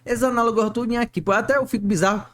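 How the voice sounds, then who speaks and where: A man's voice: very high-pitched, fairly even intonation, rapid-fire, a bit bright. A man with a Brazilian Portuguese accent, co-hosting and chatting casually about a video with blunt comments. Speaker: co-host reacting to the video. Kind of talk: casual reaction chat.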